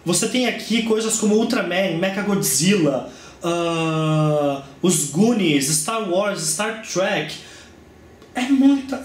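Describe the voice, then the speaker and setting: Man, 20s, Brazilian Portuguese accent, chatty book review, enthusiastic, roomy echo. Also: sits high.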